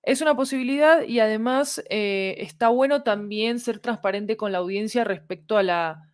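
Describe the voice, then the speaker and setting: A woman's voice: mid-range voice, moderate pace, smooth. Latin American woman explaining in casual conversation. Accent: Latin American Spanish. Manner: explanatory, checks in with tag questions. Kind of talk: casual conversational podcast talk.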